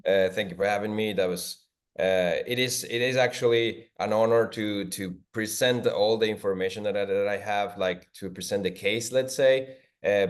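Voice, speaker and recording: A man from Ecuador, a guest in an interview, speaking haltingly with many restarts. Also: sits low. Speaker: interview guest, agency owner. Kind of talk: casual video call interview.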